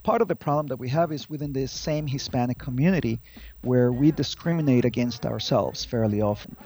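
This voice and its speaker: A Colombian man in his fifties, spokesman for an advocacy group, gives conversational answers as an interview guest. His higher-pitched voice is mellow and a little fast, heard through dull lo-fi audio with music.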